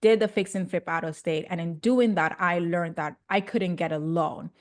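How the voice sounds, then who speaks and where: A woman's voice: fairly low pitch, moderate pace. A young woman from Jamaica with a Jamaican accent, a chatty podcast guest who laughs easily. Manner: chatty, laughs often, excitable. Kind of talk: casual interview.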